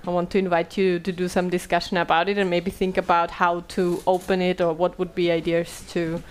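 Woman, thirties, headset mic, halting speech full of fillers. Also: fairly low pitch, flat delivery, smooth. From Austria. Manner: hesitant, many fillers and restarts. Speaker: panel moderator. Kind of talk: conference panel talk. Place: small bright meeting room.

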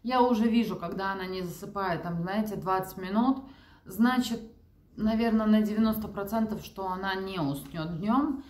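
At a moderate pace, a woman with a medium-pitched, darkish-toned voice chats in a casual home vlog. She's in her thirties, a mother of young children talking to camera and to her toddler in the living room and bedrooms. The recording has an echoey room sound.

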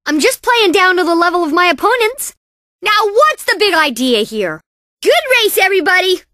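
A woman's voice: extremely high pitch, sing-song, moderate pace, pushed and bright, no room sound, clean studio sound, full character voice. A woman voicing a perky, cocky young female bandicoot racer in a video game, with a sassy, boastful, exaggerated cartoon delivery. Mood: miffed. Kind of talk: video game character voice lines.

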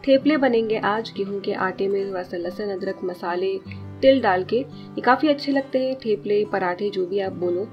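A woman's voice: mid-range voice, normal speed, muffled recording, faint music behind. A woman in her thirties talking through a cooking recipe in a casual, explanatory vlog voice-over, walking through each step as she works. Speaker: cooking vlogger. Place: home kitchen.

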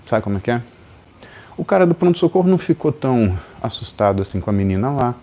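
A man's voice: medium pitch, very animated, quick pace, warm tone. A man in his forties with a Brazilian Portuguese accent, telling a story as host of a live stream and acting out the people in it.

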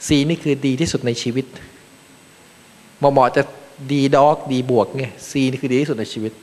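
A Thai man from Thailand, a panel speaker giving a joking, animated seminar talk in a large conference room. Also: medium pitch, normal speed. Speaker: panel speaker, acting vice president. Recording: long reverb of a large hall.

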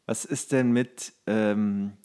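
A man's voice: lowish voice, steady tone, takes it slowly, a little mellow, clean tone. A man speaking as a podcast co-host in casual chat, colloquial and jokey, telling small anecdotes. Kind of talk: casual chat about food with a friend.

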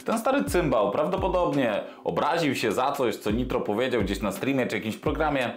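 A man in his thirties ranting sarcastically on a commentary vlog, swearing freely and dropping low for emphasis, recorded indoors on a lapel mic. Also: expressive, fairly quick, reverberant. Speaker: commentary vlogger. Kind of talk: scripted commentary rant. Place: small indoor room with desk and monitor.

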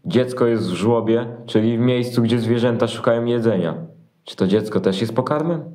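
A man's voice: mid-range voice, moderate pace, warm tone, close to an everyday voice. A man playing an earnest, wondering poor shepherd in an amateur nativity audio play.

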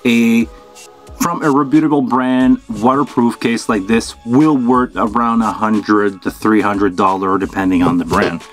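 A man's voice: fairly low pitch, steady tone, a little slow. Middle-aged man reviewing gear, music behind. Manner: informal, thinking aloud while handling gear. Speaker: video host, product reviewer. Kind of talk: casual unboxing and product review. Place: small indoor studio at a table.

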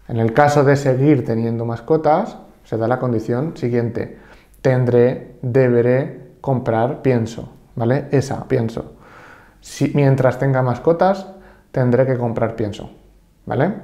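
A man with a Spanish-from-Spain accent who teaches Japanese in an online lesson and explains patiently, reading example sentences slowly and checking in often. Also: mid-range voice, warm tone, echoey room.

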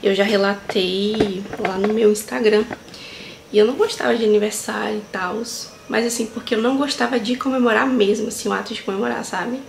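A woman's voice: mid-range voice, steady tone, brisk, creaky. A woman in her twenties vlogging to camera, speaking in an earnest, heartfelt way and often checking in with her viewers. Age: 20s. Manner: earnest, heartfelt, leans on fillers like "sabe" and "né". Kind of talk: casual reflective vlog talk. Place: small tiled room indoors. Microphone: camera at close range. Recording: echoey tiled room, faint noise.

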